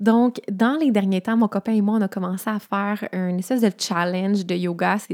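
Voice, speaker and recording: A woman with a Quebec accent speaks at a moderate pace in a very clean recording with a silent background and a dry, close sound with no echo. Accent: Québécois French. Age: 30s. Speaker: podcast host, yoga teacher. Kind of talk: solo podcast talk. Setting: home office.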